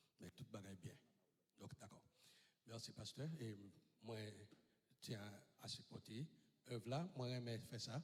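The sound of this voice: A man's fairly low voice with a slightly husky edge, at a fairly slow pace with long, frequent pauses. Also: ordinary pitch variation.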